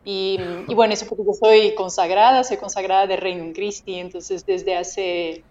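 A woman from Brazil speaking Spanish with a Brazilian Portuguese accent, an expressive, emotive podcast guest who laughs often. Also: medium pitch, moderate pace, highs cut off. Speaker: consecrated laywoman, podcast guest. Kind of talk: casual podcast interview.

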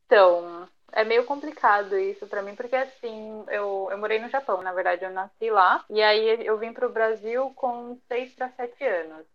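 A young woman from São Paulo, Brazil, speaks in a slightly high voice, and the audio sounds dull. She's a podcast guest in a conversational interview, chatting casually with lots of fillers and light laughter.

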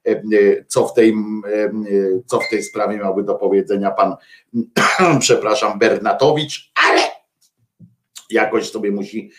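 A man's voice: on the low side, steady tone, a little slow. A male host giving casual commentary, hesitant and full of fillers.

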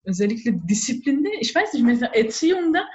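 A woman's voice: on the high side, very animated, fast talker, a little mellow. Woman chatting, slightly dull audio. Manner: mixes in German words and phrases. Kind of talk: casual chat.

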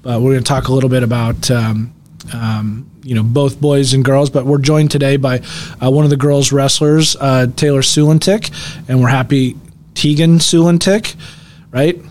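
A man's voice: mid-range voice, flat delivery, moderate pace, a little mellow. A man hosting a casual local radio chat show, joking at his own expense and tripping over names. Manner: self-deprecating, laughs often, stumbles over names. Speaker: host.

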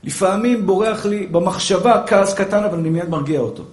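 A man preaching a sermon as a rabbi, fervent and pleading, who addresses listeners as brothers and dear souls and drops into soft, coaxing asides. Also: high voice, roomy sound. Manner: calls listeners "my brother" and "pure soul".

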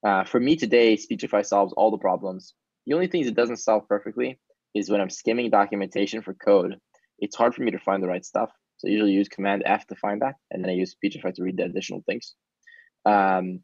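A man whose native tongue is Hebrew answers interview questions in a casual, earnest way, often pausing with an um. His voice sits on the low side. The recording is dry and a little dull. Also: a little mellow, slightly rough, no echo. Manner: casual, earnest, with frequent ums. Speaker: startup founder.

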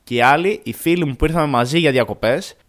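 A man in his twenties from Thessaloniki, telling a story in a casual way, acting out the dialogue and swearing now and then. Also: on the high side. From Thessaloniki, Greece. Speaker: vlogger.

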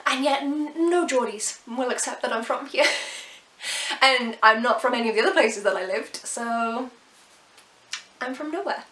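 High-voiced chatty woman in her twenties. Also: pushed and bright, reverberant. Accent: received pronunciation, slightly softened. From England. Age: 20s. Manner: chatty, laughs often, quick asides. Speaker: vlogger. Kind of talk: casual to-camera chat.

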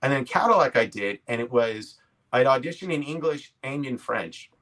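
A man's voice: medium pitch, expressive, moderate pace, fairly bright tone, low-quality recording. Canadian man in his forties telling stories casually. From Quebec, Canada. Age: 40s. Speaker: podcast guest, comedy actor and writer. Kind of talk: casual conversational storytelling.

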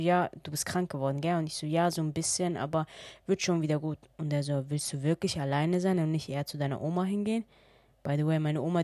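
A woman's voice: low voice, a little mellow, dry recording. A woman in her twenties from Germany, hosting a podcast and chatting casually through a storytime with lots of quoted dialogue. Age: 20s. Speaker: podcast host.

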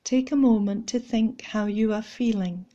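A woman leading a guided Christian meditation in a gentle, measured, instructional way. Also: medium pitch, muffled recording.

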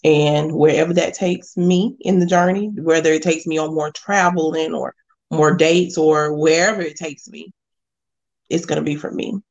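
A woman guest on a podcast, speaking in a relaxed, plain-spoken casual chat. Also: low-pitched, normal speed. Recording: dull, muffled audio.

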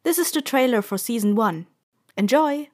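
A woman's voice: fairly high pitch, lively intonation, normal speed, a little mellow. A woman reading scripted narration as announcer for an audio drama trailer.

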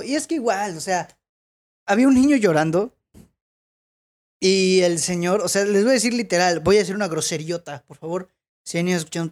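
A host with a Mexican Spanish accent who reads listener anecdotes aloud in casual chat. The host often drifts into tangents and gets worked up into rants. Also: medium pitch. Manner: chatty, goes off on tangents, gets worked up and ranting.

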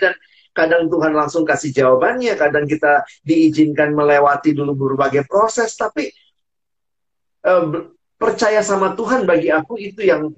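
A man's voice: fairly high pitch, low-quality recording. A man speaking earnestly in a casual Christian talk, acting out little bits of dialogue as he tells stories. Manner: earnest, acts out quoted dialogue. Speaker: guest speaker.

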